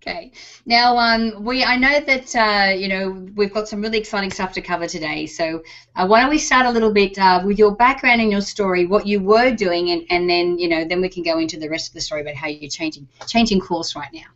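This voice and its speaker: A woman's voice: medium pitch, a little fast. A woman hosting an interview show, talking casually with lots of fillers. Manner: warm-up chatter with many fillers like um and you know. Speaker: show host. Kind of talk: conversational interview. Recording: dull lo-fi recording.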